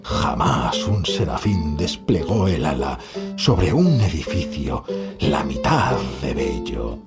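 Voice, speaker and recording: A man playing a melancholy, haunted poet who recites dark verse in a grandiose, declamatory way. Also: very deep voice, big pitch swings, slow pace, vocal fry, voice pushed down, exaggerated voice. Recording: loud guitar music over the voice. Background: plucked guitar music.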